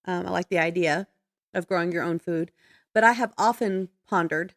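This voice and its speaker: A woman's voice: fairly low pitch, moderate pace, dry recording, studio quality. A woman talking casually and conversationally as a podcast co-host. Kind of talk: casual chat.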